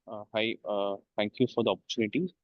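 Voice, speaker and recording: A man with an Indian accent politely asking questions as an analyst on a conference call, with halting phrasing. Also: on the low side, steady tone, no echo. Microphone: conference call line. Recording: dry, dull conference-call line.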